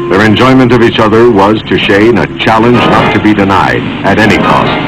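Fairly quick speech plays over clear music in the background. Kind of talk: movie trailer. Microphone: old recording.

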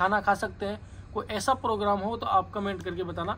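Raising and projecting his voice, a man speaks at a high pitch in a flat monotone. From Rajasthan, Tonk district. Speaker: vlogger. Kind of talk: casual vlog talk.

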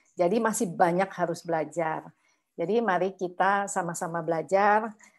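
Against a quiet background, a woman uses a normal speaking voice, fairly low in pitch, with ordinary pitch variation. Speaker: community composting co-founder; webinar presenter. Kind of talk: presentation on composting. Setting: video call. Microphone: video call.

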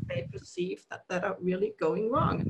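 A woman speaks while noticeable background noise carries on around her. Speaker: member of the European Parliament, webinar moderator. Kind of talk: webinar moderation. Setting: live-streamed video webinar. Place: office.

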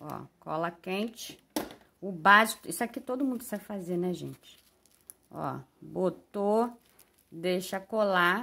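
A woman's medium-pitched voice with a bright, sharp tone, at a fairly slow pace. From Brazil. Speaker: craft youtuber. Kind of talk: tutorial. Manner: animated. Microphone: phone near.

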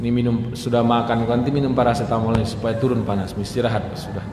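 Speech moves at a fairly quick pace. Room echo is audible over light background noise. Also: man. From Medan, North Sumatra. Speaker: Islamic preacher. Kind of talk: religious sermon to a mosque audience. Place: hall. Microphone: podium.

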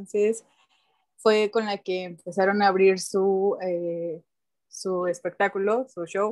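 The speaker is a woman whose intonation is monotone and flat. She talks at a very slow pace. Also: medium pitch for a woman. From Mexico City. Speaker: fan. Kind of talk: fan question.

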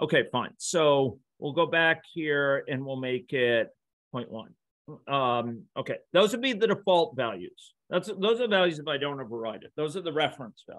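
Against a quiet background, the speaker moves at a moderate pace with hardly any pauses and big swings in loudness. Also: man. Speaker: course instructor. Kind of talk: lecture. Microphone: webcam.

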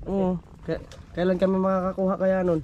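In a high pitch, a man talks at a fairly quick pace. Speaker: vlogger, mud crab hunter. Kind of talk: casual vlog narration. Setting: outdoors, mangroves by the sea. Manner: animated, laughing often.

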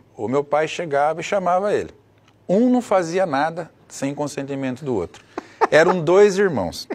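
Light background noise runs under the clip. A man speaks at a moderate pace with lively intonation. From Indaiatuba, São Paulo state, Brazil; São Paulo state, Brazil. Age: 60s. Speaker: lawyer and precast slab business owner; lawyer. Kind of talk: TV interview. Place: studio. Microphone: lapel.

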